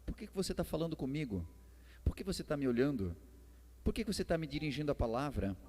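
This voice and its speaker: A man's voice: fairly high pitch, very animated, mellow. A Brazilian man voicing a suspicious, indignant woman who throws challenging questions in a sermon story. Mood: wary, indignant. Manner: challenging, rapid-fire questioning. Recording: echoey hall reverb with music behind.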